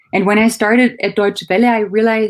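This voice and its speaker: A woman speaks with a German accent. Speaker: journalist and media format developer. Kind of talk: interview on a live video show.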